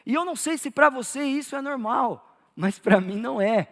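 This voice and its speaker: High-voiced pastor preaching in a reverberant church. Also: male voice, animated, normal speed. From Brazil. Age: adult with a child. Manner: preaching with rising emphasis, then dropping into soft, low storytelling. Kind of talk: sermon. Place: church auditorium. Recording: live church sound with long hall reverb.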